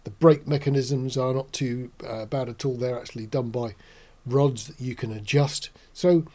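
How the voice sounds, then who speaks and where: A man in his sixties with a soft, mellow voice talks casually to camera. He explains things in a measured, matter-of-fact way at a middling pitch, recorded in a small studio. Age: 60s. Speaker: host.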